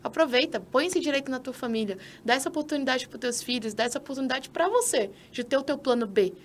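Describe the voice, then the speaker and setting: Brazilian woman on a podcast, high voice, talks fast and pushy-excited, faint hum behind. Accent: Brazilian Portuguese. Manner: energetic, persuasive, addresses listeners directly. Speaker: citizenship consultant, podcast co-host. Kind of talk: casual podcast chat.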